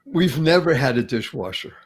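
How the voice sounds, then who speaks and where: A man in his seventies hosting a podcast conversation, animated, laughing often and repeating words as he talks. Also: medium pitch, moderate pace, husky, poor audio. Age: 70s. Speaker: podcast host.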